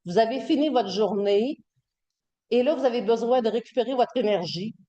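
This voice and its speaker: A middle-aged woman with a Québécois French accent teaches a university class, chatty and full of fillers and restarts. Her voice is mellow and relaxed. The room around her is echoey. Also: on the high side, moderate pace, lo-fi sound. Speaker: guest lecturer. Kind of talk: classroom lecture.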